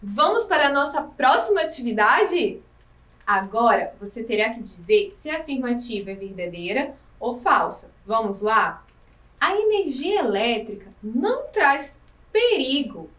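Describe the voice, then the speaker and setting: A woman teacher giving a recorded lesson to young children. She talks slowly and clearly and keeps asking the pupils questions. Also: on the high side, big pitch swings, fairly bright tone, distant mic. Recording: echoey room, voice from off the mic.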